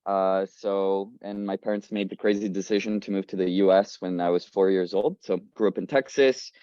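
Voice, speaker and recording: A young man from Colombia gives an upbeat, informal talk on a video call, tripping over fillers and restarting sentences as he goes. His voice sits a little low. The call audio is dull and dry, with no room sound. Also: steady tone, normal speed, warm tone, no echo. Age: 20s. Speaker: guest speaker, startup founder. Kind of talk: casual presentation on a community video call.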